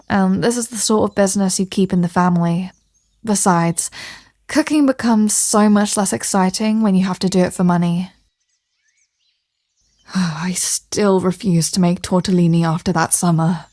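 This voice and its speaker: Woman acting as confident mafia boss girlfriend, intimate, teasing, soft-spoken, mid-pitched female voice, dry recording, ASMR roleplay. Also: no room sound, close to an everyday voice.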